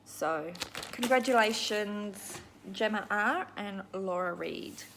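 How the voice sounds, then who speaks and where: A woman's voice: medium pitch, slow, a bit bright, a little hiss or hum. A middle-aged Australian woman hosting a crafting video, chatting casually to viewers in an informal, rambling, self-deprecating way.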